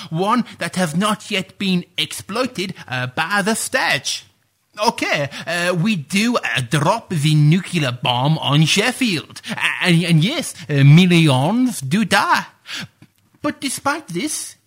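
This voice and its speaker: A man's voice: high-pitched, a bit bright, heavily acted. A man playing a pompous, flustered playwright guest, who hesitates and stammers through a comedy radio sketch. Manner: hesitant, full of "uh"s, stammers, grandiose phrasing.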